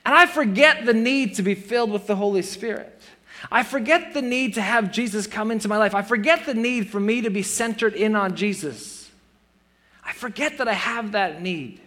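A man's voice: sits high, moderate pace, bright, forceful tone. A man in his forties preaching a sermon in a church, earnest and conversational, with playful self-mocking asides. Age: 40s. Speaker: pastor.

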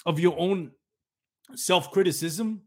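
Puerto Rican man, husky and earnest. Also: high-pitched, takes it slowly, a little mellow. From Puerto Rico. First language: Spanish. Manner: earnest, reflective, searches for words. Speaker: podcast host. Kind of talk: casual podcast chat.

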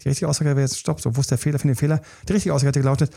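Host, male, mid pitch. Gravelly, husky, dark tone; candid storytelling with fillers. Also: fairly even intonation, rapid-fire. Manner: candid, many fillers, emphatic repetitions. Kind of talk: casual personal storytelling.

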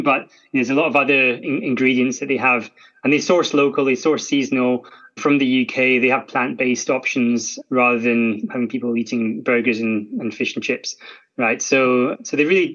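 Scottish man, mid pitch, conversational expert guest, slightly muffled lo-fi audio. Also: a bit bright. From Scotland. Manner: chatty, frequent "right?" tags and restarts. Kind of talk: podcast interview.

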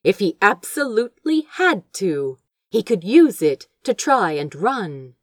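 A woman's voice: medium pitch, measured pace, dry recording. A woman reading fiction aloud as dramatic, theatrical narration. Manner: expressive, theatrical storytelling. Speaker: audiobook reader of fan fiction.

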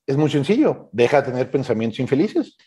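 Slightly husky man explaining informally. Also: mid-range voice, sing-song, a little fast, dark tone. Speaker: neuroscience coach, interview guest.

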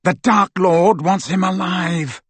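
A man's voice: mid-range voice, big pitch swings, measured pace, husky, no echo, heavily acted. A man voicing an arrogant, impatient teenage boy wizard with a brittle, sneering delivery in an audiobook. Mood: alarmed.

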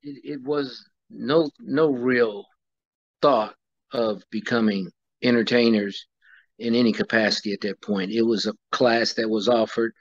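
A man's voice: mid-range voice, fairly even intonation, a little slow, dry recording, highs cut off. A man being interviewed as a singer, talking in a wry, good-humored way. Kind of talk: casual interview chat.

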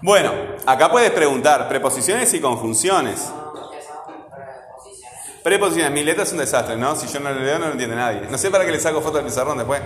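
A man's voice: on the high side, expressive, brisk, a bit bright. A man teaching a grammar lesson, asking his students questions and often answering them himself. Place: classroom. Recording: echoey room with long reverb, faint ambience.

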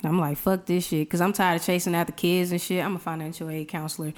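A woman's voice: lowish voice, level tone, fast. A woman from rural Louisiana with a Southern Black American accent, chatting casually in a blunt, slangy, profane way as a host. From rural Louisiana, United States. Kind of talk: casual chat.

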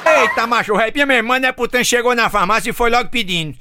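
A man's voice: very high-pitched, fast, pushed and bright, no echo. A man telling a string of folksy jokes, laughing at his own punchlines. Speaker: joke teller.

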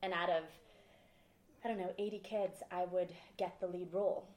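A woman from Sweden, a podcast guest, telling her story in a lively, candid way. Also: lowish voice, moderate pace, echoey room. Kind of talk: casual interview talk.

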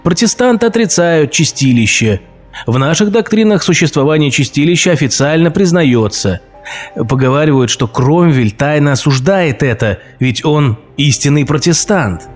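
A man voicing a scheming royal courtier who speaks in a measured, deferential way full of careful insinuation. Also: fairly high pitch, lively intonation, soft background music. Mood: insinuating. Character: scheming male royal courtier, cautious and flattering. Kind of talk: audio drama acting.

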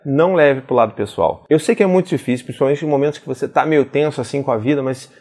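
A man, a father talking casually to camera in a vlog and telling an animated story. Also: medium pitch, quick pace. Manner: animated storytelling, acts out dialogue. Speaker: parenting vlogger, father.

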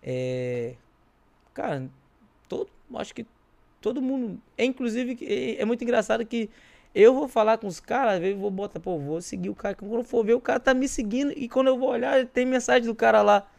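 A man's voice: very high voice, expressive, brisk, creaky, darkish tone. A man with a Brazilian accent chatting casually as an interview guest, telling stories in slangy, informal speech. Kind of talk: casual chat, animated storytelling.

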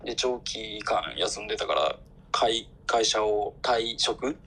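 A man's voice: lowish voice, slow, bright, forceful tone, low-quality recording. A man calling in to a casual chat, talking in a hesitant way. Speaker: caller.

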